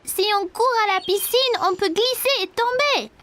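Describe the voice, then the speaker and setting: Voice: extremely high pitch, heavy background noise. A performer playing a curious, polite and slightly timid four-year-old boy in a French children's cartoon. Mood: timid, earnest. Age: child character. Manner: simple, eager, slow-paced childlike speech.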